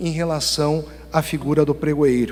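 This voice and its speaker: A fairly slow man's voice in a Curitiba accent over noticeable background noise. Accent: Curitiba accent, marked. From southern Brazil, Curitiba. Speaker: law professor. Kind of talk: lecture. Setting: stage with audience.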